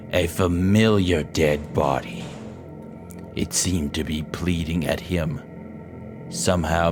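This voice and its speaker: A man reading a ghost story aloud from a visual novel as a streamer, dramatic but breaking into casual, profane asides and stumbling over the text. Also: extremely low pitch. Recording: loud music behind voice. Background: game music.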